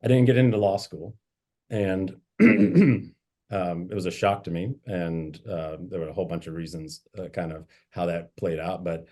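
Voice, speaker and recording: A man's voice: low-pitched, expressive, normal speed, warm tone. A man, a bishop, reflectively telling anecdotes from his life in a conversational interview. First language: English. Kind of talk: interview storytelling.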